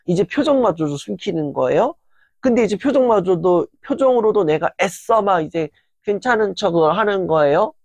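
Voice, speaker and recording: A man with a slightly high voice and a gravelly rasp gives a relaxed counseling-style lecture. He explains in a conversational way, scattering fillers through his sentences. The recording is dry and a little dull, like lo-fi audio. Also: no echo. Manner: loose and conversational, full of fillers. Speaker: psychology lecturer, channel host.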